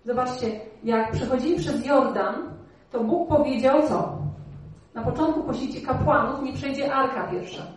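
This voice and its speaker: A woman preacher with a fairly high voice teaches her congregation earnestly, often checking in with rhetorical questions. Her voice rings around a big reverberant hall, picked up from some way off the mic. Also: normal speed. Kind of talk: sermon. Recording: very echoey hall, voice from far off.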